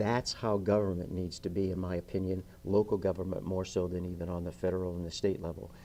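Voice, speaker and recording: A man speaks at a moderate pace in a very deep, low pitch. His tone is dark and mellow, and his intonation is monotone and flat. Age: 60s. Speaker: city council candidate. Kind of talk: candidate interview. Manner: halting, many fillers and repetitions.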